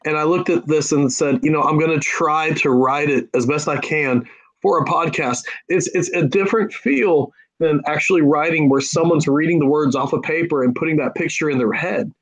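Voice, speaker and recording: A man's voice: on the high side, poor audio. A man who wrote the story, explaining his approach earnestly. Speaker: story author. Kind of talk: casual chat on a video call.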